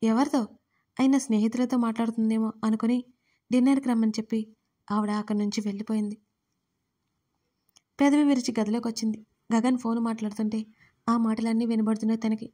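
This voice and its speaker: A woman narrating a romance audio story in an even, steady reading voice. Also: a little high, fast talker, pauses often.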